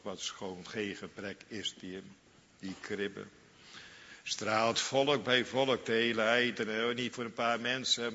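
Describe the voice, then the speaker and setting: A low-voiced man preaches with great fervour, stretching out every phrase at a very slow pace. His bright tone rings through a long church reverb. The recording is slightly muffled and has a faint background hiss. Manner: fervent, repetitive, lingering on each phrase. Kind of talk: sermon.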